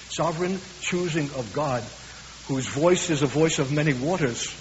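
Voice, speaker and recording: A man with a Brooklyn accent preaching a sermon, earnest and emphatic, slowing down for weighty lines. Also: medium pitch. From USA. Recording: hissy, dull recording in a reverberant hall.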